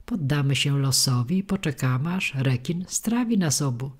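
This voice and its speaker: Tuńczyk, a hoarse old tuna, read by a woman. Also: very deep voice, lively intonation, normal speed, a little mellow, heavily acted. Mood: resigned. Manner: resigned, dignified.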